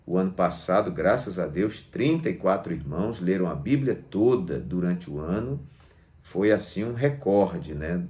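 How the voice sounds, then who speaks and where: A man's voice: sits low, animated, a little slow, darkish tone. A male pastor teaching a Bible lesson in a didactic way, stressing key words and checking in with tag questions. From Brazil. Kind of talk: Bible lesson to online viewers.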